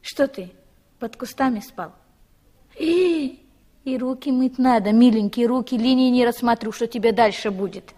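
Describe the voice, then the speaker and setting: A woman's voice: fairly high pitch, measured pace, mellow. An actress playing a talkative, fussy young Gypsy mother in a 1960s Soviet radio play, exclamatory and sing-song, full of repeated endearments. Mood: scolding, fussy.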